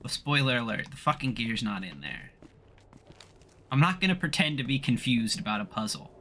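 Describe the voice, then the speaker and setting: A man with a mid-pitched, sharp-edged voice comments casually as he plays a game. He is blunt and dry with his friend and swears freely. There is light noise and clicking behind him. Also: sing-song, normal speed. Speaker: player and co-host of a gaming let's play series. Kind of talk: casual commentary while playing, bantering with a friend.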